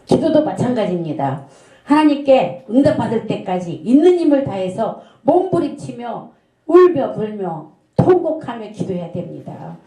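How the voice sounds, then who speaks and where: A woman's voice: fairly high pitch, sing-song, normal speed, mellow. Woman pastor preaching in an echoey church. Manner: earnest, storytelling with rhetorical questions. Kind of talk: sermon. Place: church sanctuary.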